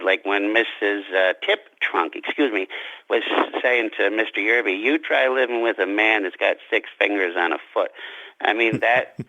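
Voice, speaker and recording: A man being interviewed as a writer, talking reflectively about his craft in deliberate, halting phrases. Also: lowish voice, pushed and bright, dry recording, dull audio.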